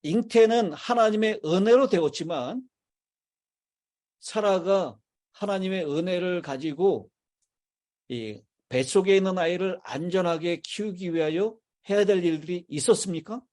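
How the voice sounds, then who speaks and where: A man's voice: sits high, measured pace, a little mellow. A man, a pastor, preaching a sermon in a church and putting questions to his congregation. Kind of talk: sermon with congregation call-and-response. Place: church sanctuary.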